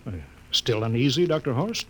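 An actor playing a cautious, authoritative spaceship captain who gives clipped orders, in the manner of 1950s radio drama. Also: male voice, medium pitch, lively intonation, normal speed, fairly bright tone, breathy edge. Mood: brisk, commanding. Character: commanding, cautious spaceship captain leading a Mars landing. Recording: noisy vintage 1950 radio recording.

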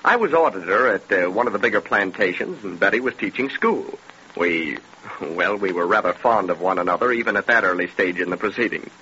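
Genial gentleman host, 1930s radio play, lively pitch, bright voice, muffled crackly recording. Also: fairly quick. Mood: reminiscing. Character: genial male plantation host, teasing, reminiscing storyteller. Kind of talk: 1930s radio drama acting. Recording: scratchy band-limited 1930s radio recording.

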